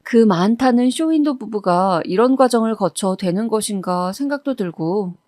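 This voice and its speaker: A woman reading a first-person true-life story in a steady, even storytelling manner, recorded on a close studio mic. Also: mid-range voice, normal speed, dry recording.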